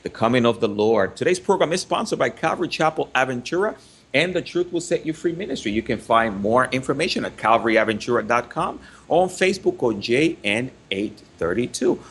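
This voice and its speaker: A man's voice: medium pitch, husky. A man from the Dominican Republic hosting a Christian radio talk show, upbeat and chatty with frequent fillers.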